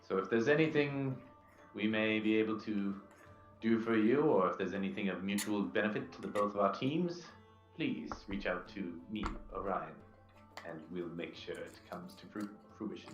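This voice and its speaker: Man as eager, evasive male envoy, stammering formality, deep voice, dull roomy recording. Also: lively intonation, moderate pace, close to an everyday voice. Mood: flustered, eager. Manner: stammering, over-formal, insistent. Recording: muffled, roomy, music behind.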